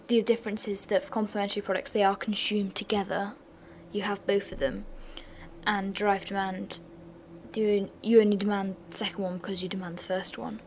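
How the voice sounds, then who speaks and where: A young woman with a slightly raspy voice from a sore throat, talking through a revision lesson in a flat, bored-sounding way with chatty asides. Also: mid-range voice, slight background noise. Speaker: revision channel host. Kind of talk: casual revision lesson voice-over.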